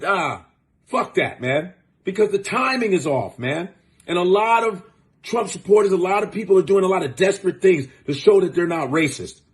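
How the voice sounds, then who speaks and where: A man hosting a show, giving blunt, profane, fired-up commentary in casual talk. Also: high voice. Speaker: host.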